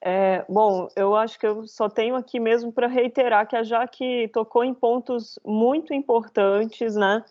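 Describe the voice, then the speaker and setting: Woman law professor, measured academic delivery, muffled video call audio. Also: a little high, fairly even intonation. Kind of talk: webinar talk.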